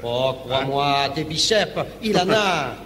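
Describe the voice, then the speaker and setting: A man's voice: on the high side, lively intonation, slow pace, crowd noise. A man playing the teasing partner in a comic stage sketch. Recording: old live recording in a hall with an audience.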